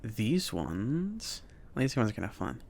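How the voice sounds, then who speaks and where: Male performer as gentle, slightly awkward potion-shop mage for ASMR roleplay. Slow, creaky, casual delivery, faint noise behind. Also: mid-range voice, big pitch swings, exaggerated voice. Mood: friendly, hesitant. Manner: halting, casual, chatty, filler-laden. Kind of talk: soft-spoken ASMR roleplay.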